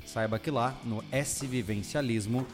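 A man's voice: mid-range voice, a little slow. Podcast guy chatting loose and jokey, big hollow room echo, bit of guitar under it. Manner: relaxed, joking, chatty. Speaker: podcast host. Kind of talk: casual podcast chat. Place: new house with a bare, echoey room. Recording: long echo from a bare room.

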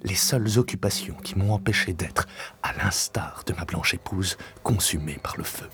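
An actor playing an obsessive, vengeful widower in a French audio-drama monologue, solemn, grandiloquent and deliberate, often sinking into breathy whispers. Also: male voice, low-pitched, close to an everyday voice. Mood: solemn, grieving. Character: obsessive, vengeful widower, grandiloquent, haunted by his lost wife. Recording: binaural recording with music.

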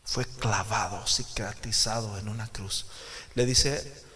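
A man preaching a sermon in a church, talking emphatically and swinging from soft, confiding talk to loud outbursts as he addresses the listener directly. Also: on the low side, takes it slowly. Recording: long hall reverb with faint background noise.

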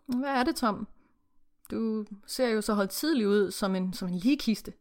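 A woman voicing a wealthy young slave master, formal and polite, read from a book. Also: high-pitched. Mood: questioning.

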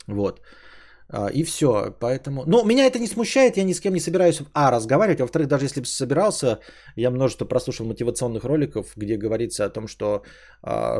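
Mellow-voiced man chatting casually. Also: fairly high pitch. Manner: rambling, explanatory, many fillers. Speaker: podcast host reading donations. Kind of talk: casual live-stream chat.

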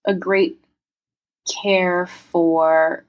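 Low-voiced woman, chatty and reflective. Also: level tone, extremely slow. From France. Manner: chatty, reflective, many fillers. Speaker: interviewee. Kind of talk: casual interview answers.

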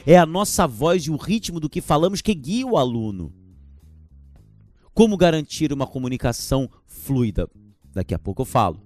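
Guy doing a teaching podcast, kinda highish voice, lively, faint guitar music behind. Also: normal speed. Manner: animated, gesturing while speaking, mocking teachers' verbal tics. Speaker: podcast host and teacher trainer. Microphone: podcast microphone.

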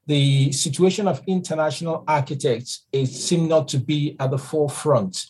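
A man from Nigeria, answering as an architect guest in a deliberate, careful way. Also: fairly high pitch, a little mellow, breathy edge, rough recording. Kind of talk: interview answer.

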